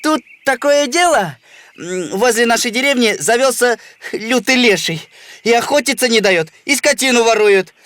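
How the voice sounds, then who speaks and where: An actor voicing a timid, guilty village man in a cartoon, explaining things quickly and nervously. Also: extremely high pitch, lively intonation, fairly bright tone, no room sound. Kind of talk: cartoon voice acting. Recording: music underneath.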